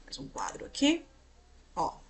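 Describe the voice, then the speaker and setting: A woman's voice: a little slow, a little hiss or hum. A woman teacher with a Brazilian Portuguese accent, giving a grammar lesson in an explanatory way and pointing things out on slides while checking in with her students.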